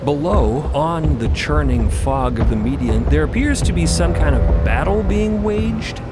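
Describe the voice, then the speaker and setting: A man's voice: fairly high pitch, expressive, a little slow, over loud music. A man narrating a scripted audio drama as one of its storytellers.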